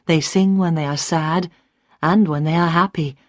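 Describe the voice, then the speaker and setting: A woman reading a story aloud for English learners, clear and deliberate. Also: low-pitched, fairly even intonation, no room sound, studio quality. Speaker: narrator.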